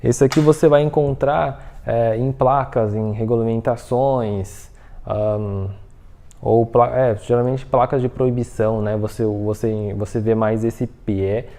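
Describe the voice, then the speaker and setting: A man teaching a Mandarin lesson, explaining patiently, checking in with the listener often and saying example phrases slowly. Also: mid-range voice, fairly even intonation, mellow. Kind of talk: online language lesson.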